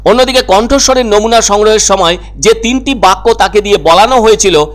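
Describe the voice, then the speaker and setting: A man's voice: high-pitched, a little fast, a bit bright. A man reading scripted news narration as a reporter presenting a story.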